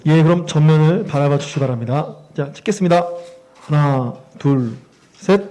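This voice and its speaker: Mellow, higher-voiced man as emcee. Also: normal speed. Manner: polite, directive. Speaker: master of ceremonies. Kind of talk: event announcing. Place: seminar hall.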